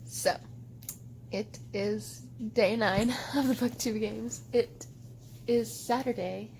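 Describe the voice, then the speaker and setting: A woman book vlogger chatting casually to camera at home, animated and overdramatic, with lots of "like". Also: fairly high pitch, slow pace, creaky, a little hiss or hum. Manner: animated and overdramatic, heavy use of "like". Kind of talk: casual vlog chat to camera.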